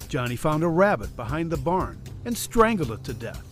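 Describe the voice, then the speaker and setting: A man's voice: on the high side, big pitch swings, moderate pace, fairly bright tone. A man narrating scripted horror stories in a dramatic style, as a story reader. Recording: music bed behind the reading.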